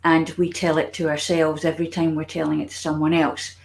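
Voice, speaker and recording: A woman with a Scottish accent, a guest storyteller talking about her work in a relaxed, lively video chat. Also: low voice, a little fast, vocal fry. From Scotland.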